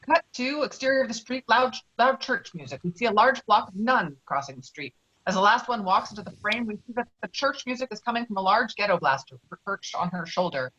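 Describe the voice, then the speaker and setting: A woman's voice: medium pitch, lively intonation, a little fast, bright, forceful tone, muffled recording. A woman reading out stage directions as scripted narration of a screenplay.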